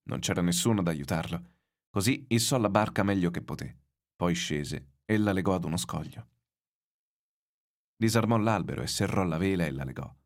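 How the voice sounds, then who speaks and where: A man reading a novel aloud in measured, expressive literary narration. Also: low-pitched.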